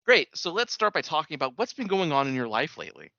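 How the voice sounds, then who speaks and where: A man's voice: a little high, big pitch swings, fast talker, sharp tone, dry recording, muffled recording, heavily acted. A man reading aloud the scripted part of a compassionate, supportive podcast host.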